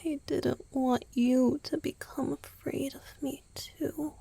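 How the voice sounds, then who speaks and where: A woman playing a tender, guilt-ridden young male vampire boyfriend in a romantic ASMR roleplay, mostly whispering in a slow, halting, intimate way. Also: high-pitched, fairly even intonation, vocal fry, warm tone, dry recording, heavily acted. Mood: tender, wistful.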